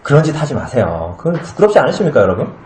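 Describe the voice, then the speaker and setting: In a very animated, mid-range voice with a darkish tone, a pastor preaches very fast in a small, echoey church hall. He talks conversationally, asks his congregation questions, and acts out short comic scenes using different voices.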